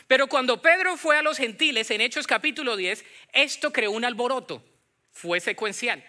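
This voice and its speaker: High, bright-voiced Latin American man preaching. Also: moderate pace. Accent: Latin American Spanish. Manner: animated, acts out imagined dialogue, questions the congregation. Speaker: pastor preaching. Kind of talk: conversational Bible-teaching sermon.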